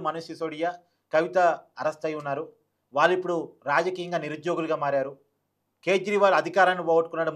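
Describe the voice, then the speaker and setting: Male commentator, slightly high voice, very quick emphatic delivery, opinionated online political talk. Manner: emphatic, repeats phrases and poses rhetorical questions.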